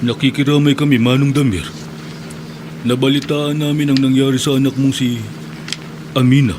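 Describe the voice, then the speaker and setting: A man's voice: medium pitch, flat delivery, moderate pace, noisy background, close to an everyday voice. A man playing a polite, respectful young Muslim husband in a radio drama.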